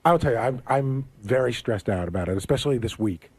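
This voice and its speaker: A man on a radio show who has lost his voice, talking quickly about being stressed. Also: mid-range voice, lively intonation, background noise. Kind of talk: casual radio chat.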